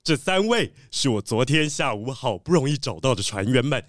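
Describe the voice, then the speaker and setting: A man's voice: mid-range voice, very animated, normal speed, no room sound, clean studio sound, close to an everyday voice. A man voicing a hearty, proud black panther treasure collector in a children's audio drama, theatrical and welcoming.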